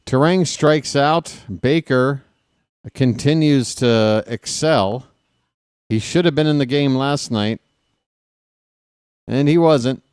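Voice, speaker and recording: With a medium-pitched, clean voice, a man in his late forties does casual fan play-by-play of a baseball game at a slow pace with long pauses, mixing in wry sarcasm and grumbling and growing loud and animated as he rants. The recording is dry and clean, studio-grade.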